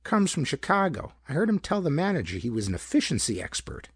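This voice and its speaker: A young elevator operator in a pulp detective tale, voiced by a male reader. He gossips in informal slang, pitched a little high and lively. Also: fast talker, breathy edge, no room sound, studio quality, exaggerated voice. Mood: matter-of-fact.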